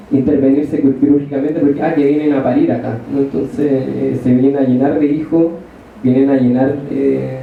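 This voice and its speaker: A man's voice: mid-range voice, gravelly, slight background noise. A man from northern Chile with a Chilean accent, commenting hesitantly from the audience at a panel, with many fillers and restarts. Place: large lecture hall. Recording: distant, echoey hall, thin phone-like sound.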